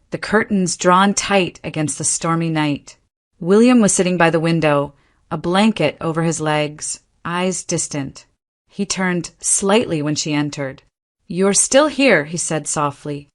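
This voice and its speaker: Woman narrator, unhurried scripted storytelling, lower pitch. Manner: slow, measured storytelling.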